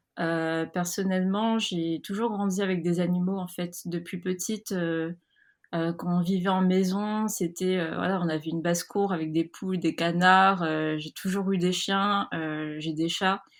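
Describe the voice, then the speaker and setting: Delivered at a fairly slow pace with monotone, flat intonation, the speech comes through a very clean recording with a silent background. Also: woman, fairly low pitch for a woman. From Réunion. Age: 20s. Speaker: master's student in history. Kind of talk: interview. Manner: hesitant, many fillers.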